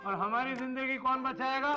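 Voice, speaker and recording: A man's voice: very high voice, steady tone, moderate pace, highs cut off. An actor playing a hot-tempered male bully who barks orders and blusters angrily. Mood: angry. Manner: barking orders, angry, blustering. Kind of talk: TV drama acting. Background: loud background music.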